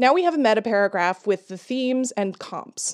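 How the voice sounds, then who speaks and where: The recording is dry and close with no echo, as a woman speaks at a high pitch with very wide pitch swings. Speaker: podcast host critiquing query letters. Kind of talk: critique and reading aloud. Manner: casual, conversational.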